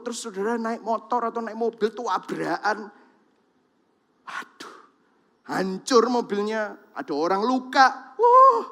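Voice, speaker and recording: A man preaching a sermon in Indonesian with a Javanese-influenced accent. He speaks straight to the congregation and acts out the voices of the people in his examples. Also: high-pitched. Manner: lively, talks to the congregation directly, acts out quoted voices. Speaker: pastor. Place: large church hall. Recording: long reverb of a large church hall.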